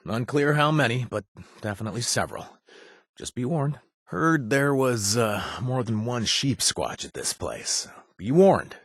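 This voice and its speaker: An actor playing a wry, chatty wasteland informant in a video game, husky, with a hesitant, rambling delivery and joking asides. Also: male voice, mid-range voice, big pitch swings, a little slow, no echo, studio quality. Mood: dryly joking. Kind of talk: video game voice acting, casual spoken tips.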